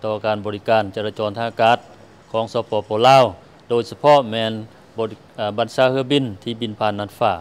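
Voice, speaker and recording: A man's voice: on the low side, steady tone, racing, clear, resonant tone. A middle-aged man from Laos, an official giving a statement to the press into a handheld microphone. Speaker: government official, air traffic director general. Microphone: handheld interview microphone.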